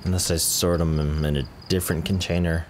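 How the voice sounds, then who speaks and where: A man casually chatting with a friend while playing a co-op game, relaxed and muttering as he sorts items. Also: low voice, fairly quick, noisy background. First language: English. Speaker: gaming channel host. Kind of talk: casual co-op gameplay chat.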